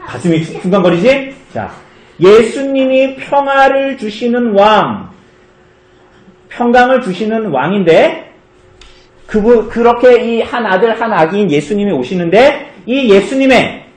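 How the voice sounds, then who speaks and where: Lively pastor asking children questions. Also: male voice, high voice, moderate pace, reverberant. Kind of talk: children's sermon. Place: church.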